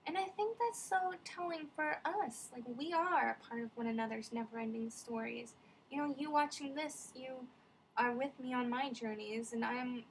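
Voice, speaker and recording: A woman's voice: fairly high pitch, gravelly, slight background noise, poor audio. A woman vlogger musing in casual, rambling reflective commentary, digressing often with many fillers.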